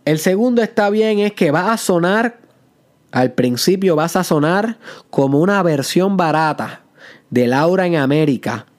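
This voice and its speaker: A man hosting a motivational podcast, sprinkling English phrases into his talk and playing his voice between loud and soft. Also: high-pitched, lively intonation, unhurried. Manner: plays with loud and soft delivery for effect. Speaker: podcast host.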